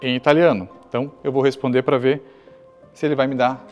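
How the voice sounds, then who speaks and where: A man's voice: mid-range voice, little pitch movement, fairly quick, a little mellow, highs cut off, faint music behind. Brazilian man explaining a museum exhibit. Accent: Brazilian Portuguese. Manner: explanatory, walking the viewer through the exhibit. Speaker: museum guide. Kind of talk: explanatory on-site talk.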